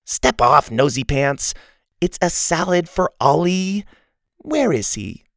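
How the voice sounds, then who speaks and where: A cheeky little girl speaks in a high, bouncy voice and says exactly what she thinks, as a man reads her out. She is sassy and unfiltered. The sound is close and dry. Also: expressive, takes it slowly, a bit bright, no room sound, full character voice. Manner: sassy and blunt.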